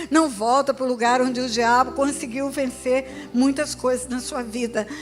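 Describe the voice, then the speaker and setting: Backed by music, a woman speaks at a high pitch with fairly even intonation. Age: 70s. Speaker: pastor. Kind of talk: sermon. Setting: church. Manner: impassioned.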